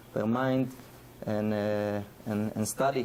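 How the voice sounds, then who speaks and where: Speaking at a fairly slow pace with an Israeli accent, a man has a medium pitch, monotone, flat intonation, and a dark, mellow tone, with audible room echo around him. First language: Hebrew. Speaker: rabbi. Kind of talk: lecture. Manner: halting, many fillers.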